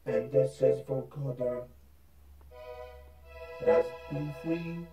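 A man's voice run through a vocoder, so it sounds robotic and pitched to a melody. He stretches each phrase out slowly, in a mid-range voice. Faint music hums underneath. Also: echoey room, distant mic, highs cut off. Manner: slow, drawn-out phrases sung through the effect. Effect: vocoder voice effect, robotic and melodic. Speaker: music gear tutorial host. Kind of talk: demonstrating a loop station effect.

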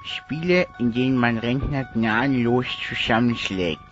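A man's voice: medium pitch, measured pace, lightly acted. Man playing a grave TV alarmist over music. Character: alarmist male anti-video-game TV crusader, grave and indignant. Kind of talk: mock TV report in a cartoon satire. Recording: dull recording over loud music.

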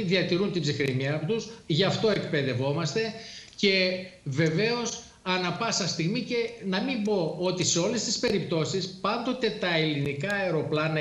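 A middle-aged man, a former air force pilot, explaining things in a measured way with frequent hesitations on a studio talk show. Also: sits high, fairly bright tone, reverberant.

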